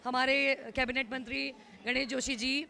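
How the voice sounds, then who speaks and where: Woman organizer, interview answer, gravelly high voice. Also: flat delivery, normal speed, sharp tone. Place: outdoors at a festival.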